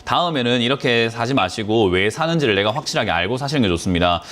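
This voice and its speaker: Fast-talking, lively man giving blunt stock advice. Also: mid-range voice. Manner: blunt, lecturing, fast-talking, emphatic rhetorical questions. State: sore throat. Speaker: stock market advisor taking callers. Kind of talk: call-in stock consultation.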